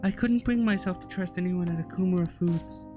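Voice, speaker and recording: A man's voice: sits high, a little fast, music in the background, lightly acted. A man voicing a polite, grieving young heiress in a formal, hesitant way.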